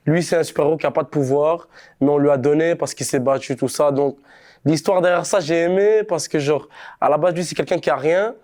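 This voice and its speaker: A young man from Montreal, a rapper, talking casually in a relaxed, slangy street manner during an interview. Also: fairly high pitch, a little fast. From Montreal, Canada. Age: young adult. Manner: laid-back, slangy street talk.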